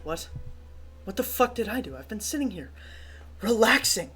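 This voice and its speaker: A man's voice: high-pitched, normal speed, husky. A man running a tabletop game as game master, talking casually and swearing a lot. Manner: casual, swears a lot, gets loud and excited.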